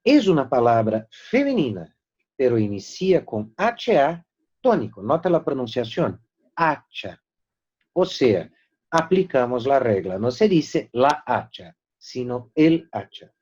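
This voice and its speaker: A man teaching a recorded Spanish grammar lesson, emphatic and slowing down to spell out example words. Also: mid-range voice, very animated, darkish tone, slightly rough. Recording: dull lo-fi recording.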